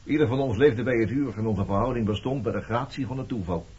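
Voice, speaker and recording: A man's voice: medium pitch, fast talker, darkish tone, slightly rough. An actor playing a reserved, evasive former resistance man in a Dutch radio play, talking in a guarded way. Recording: muffled, noisy old radio recording.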